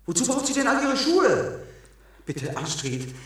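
An actor playing an agitated young man reliving a dream, pleading with a husky voice in a 1970s radio drama. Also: very high-pitched, wildly swooping pitch, a little slow, heavily acted. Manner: pleading, urgent. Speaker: protagonist.

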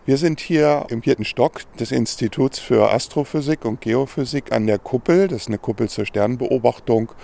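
A man's voice: medium pitch, moderate pace, creaky, few pauses, mellow. A man, an astrophysicist, explaining his field in an interview.

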